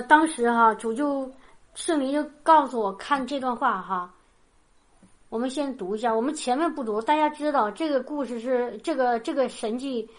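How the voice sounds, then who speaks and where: A woman preaching an informal sermon, explaining a Bible passage in a loose, repetitive way and often ending phrases with a soft tag. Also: high-pitched. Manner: loose and repetitive, with frequent restarts. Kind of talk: conversational sermon with Bible reading.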